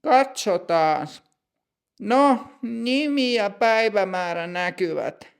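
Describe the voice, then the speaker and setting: Strict older female bank teller, put on by a man; raised pitch, gravelly, precise, for a storybook lesson. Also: lively intonation. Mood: stern. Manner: slow, precise, formal.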